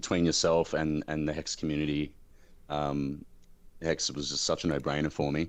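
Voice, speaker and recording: This speaker uses an Australian accent at a moderate speed. Delivery is flat and monotone. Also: man, very deep, low pitch for a man. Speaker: caller. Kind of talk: casual chat. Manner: halting.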